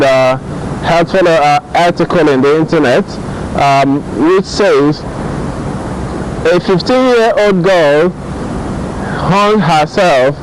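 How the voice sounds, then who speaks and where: A man's voice: fairly high pitch, a little hiss or hum, poor audio. A man with a Nigerian accent giving casual vlog commentary, often repeating and rephrasing his points. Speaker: YouTube host.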